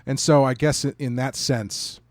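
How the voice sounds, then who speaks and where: A man co-hosting a podcast, giving a casual conversational review in a halting, measured way as he thinks aloud. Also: mid-range voice, fairly even intonation, no echo. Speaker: podcast co-host reviewing a stage play.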